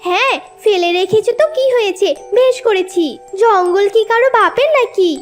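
A woman's voice: very high voice, moderate pace, faint music behind. A woman voicing a cheeky, quarrelsome little bird in a children's cartoon, defiant and argumentative. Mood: indignant.

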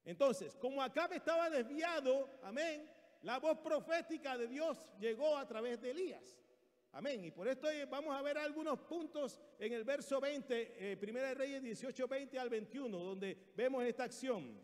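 Animated preacher in a reverberant church hall. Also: male voice, very high-pitched, normal speed. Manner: animated, dramatic, acts out quotes, calls for amens. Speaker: pastor. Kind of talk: sermon. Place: large church sanctuary.

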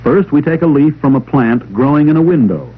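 A man's voice: fairly high pitch, expressive, fairly quick, a little hiss or hum. Tinny 1950s film narrator, man. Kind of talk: scripted instructional narration, 1950s classroom film. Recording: old 16mm film soundtrack, narrow telephone-like band.

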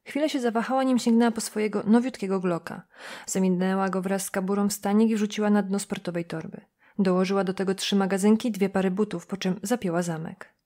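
A woman narrating an audiobook in a calm, even reading voice. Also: medium pitch, fast talker. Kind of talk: scripted narration.

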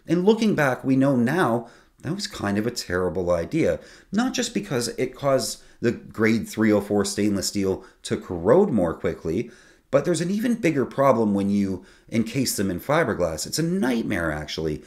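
A man in his forties hosting a sailing channel, explaining boat technicalities to camera in a casual, conversational way from a small home studio. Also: mid-range voice. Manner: lively, conversational, explains technical detail plainly.

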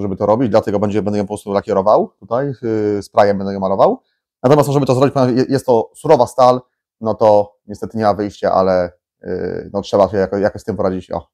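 In a small garage workshop, a man in his thirties with a lowish, dark-toned voice walks viewers through a DIY project. It's casual how-to vlog talk, chatty and full of fillers and restarts.

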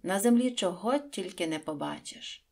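A woman voicing a wise, patient fox in an audiobook, explaining in a calm, knowing tone. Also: mid-range voice, normal speed, vocal fry. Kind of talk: audiobook reading.

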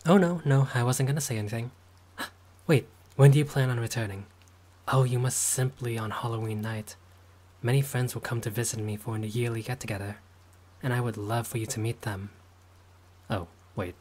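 A man's voice: medium pitch, steady tone, moderate pace, darkish tone, close to an everyday voice. A man voicing a friendly, caring male vampire lord who talks politely and eagerly, sometimes flustered, in an audio roleplay. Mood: excited, then warm. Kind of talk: audio roleplay monologue to the listener.

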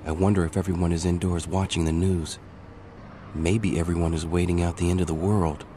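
A young masked hero with a dry, unhurried way of talking, played by a man. His voice sits very low. Faint street noise hums behind him in this motion comic. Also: little pitch movement, mellow, lightly acted. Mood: wry.

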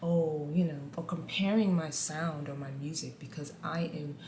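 Deep-voiced woman vlogging in an echoey room. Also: normal speed. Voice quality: deep contralto voice. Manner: candid, animated, says guys a lot. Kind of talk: casual motivational talk to camera. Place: small room indoors. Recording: echoey room, faint ambient noise.

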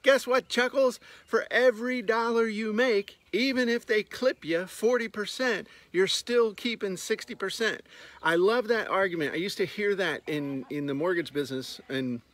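Fifties male business coach, higher-pitched voice, blunt sarcastic vlogger, outdoor phone-mic sound. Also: normal speed, fairly bright tone, no room sound. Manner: blunt, sarcastic, jokey outbursts. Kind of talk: casual talking-head vlog. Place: outdoors on a farmyard. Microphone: phone held at arm's length.

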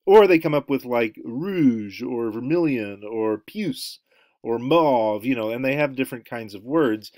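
A man's voice: medium pitch, expressive, a little slow, darkish tone, no room sound. A middle-aged man giving a recorded anthropology lecture over slides from home, talking in a rambling way with many ums and uhs. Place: home room, indoors.

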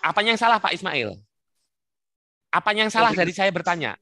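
A man leading an online work-habits workshop, coaxing participants by name in a lively, teasing way over a video call. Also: sits high, fairly quick. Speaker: webinar trainer. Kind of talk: interactive online workshop talk.

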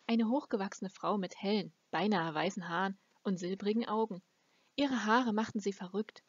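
A woman's voice: mid-range voice, normal speed, husky, dry recording. A woman reading a fantasy novel aloud as an amateur audiobook narrator. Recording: dull, lo-fi close recording.

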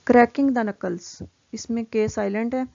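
A woman teaching vocabulary, explaining each word and reading the example sentences out very slowly and deliberately. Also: fairly high pitch, steady tone, creaky, warm tone, dull audio.

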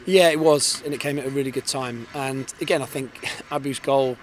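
Into a handheld reporter's mic held in front of him, a football head coach in his thirties gives an earnest post-match interview outdoors on a floodlit pitch. He speaks at normal speed with fairly even intonation and often repeats words when starting a sentence. Outdoor stadium noise carries behind him.

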